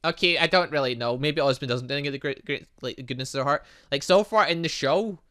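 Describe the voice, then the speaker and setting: A man's voice: fairly high pitch, quick pace, fairly bright tone. A man playing through a story game, reading its dialogue aloud with casual asides and often stumbling and correcting himself. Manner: stumbles over words when reading, self-correcting. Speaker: gaming video host.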